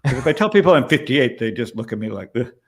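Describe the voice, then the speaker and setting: A man's voice: medium pitch, big pitch swings, fast talker. A man in his late fifties, an investor giving a candid, rambling interview, often checking in with "right?". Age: 50s. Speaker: startup investor and interview guest. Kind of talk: casual interview conversation.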